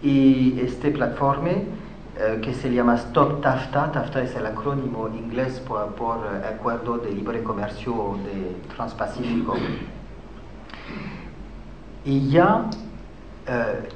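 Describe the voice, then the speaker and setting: A man with a French accent giving a conference talk, halting often as he searches for words in a language he is still learning. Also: medium pitch, background noise. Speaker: conference speaker. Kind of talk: public lecture. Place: conference hall. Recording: echoey hall with faint ambience.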